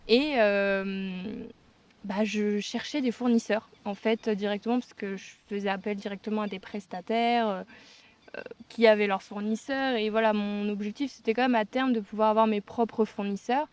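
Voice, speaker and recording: Female vlogger, medium-pitched, relaying life stories in casual conversation. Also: fairly even intonation, normal speed, darkish tone, clean tone. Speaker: vlogger telling a life story with partner. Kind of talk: casual storytelling chat.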